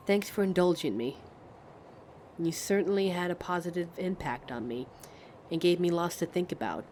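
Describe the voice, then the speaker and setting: A woman playing a pensive, friendly train passenger in a conversational ASMR roleplay, musing hesitantly as she talks to a stranger. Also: sits low. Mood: friendly, shy. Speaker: audio roleplay performer. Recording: steady train ambience noise. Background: train ride sound effects.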